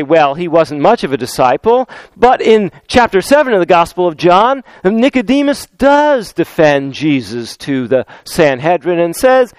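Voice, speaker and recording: A pastor preaching a sermon, telling anecdotes and quoting scripture, slowing down to stress key points. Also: male voice, high voice, clean tone, no echo. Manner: storytelling with anecdotes and scripture, slows down for emphasis.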